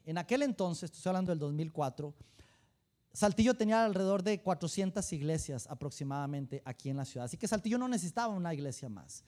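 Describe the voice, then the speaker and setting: A man with a Mexican accent, a pastor preaching a sermon who tells humorous stories and speaks straight to the congregation. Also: sits high. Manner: animated, humorous storytelling, direct address to the congregation.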